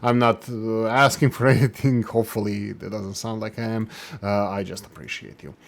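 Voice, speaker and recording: A man's voice: lowish voice, fairly even intonation, normal speed, creaky. Rambling male gameplay commentator from Croatia. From Croatia (Slavonia). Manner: rambling, many fillers and restarts, self-deprecating. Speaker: gaming channel host. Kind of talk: casual let's play commentary.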